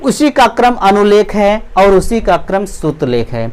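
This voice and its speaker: A young man teaching an online exam-prep lecture. He asks rhetorical questions, repeats his points and reads list items out slowly. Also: high voice, sing-song, clean tone. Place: teaching room with a marker board.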